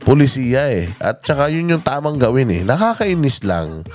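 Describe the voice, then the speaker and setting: A man's voice: mid-range voice, sing-song, moderate pace, darkish tone. Impassioned male political commentator. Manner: hesitant, many fillers, switches into English, angry swearing.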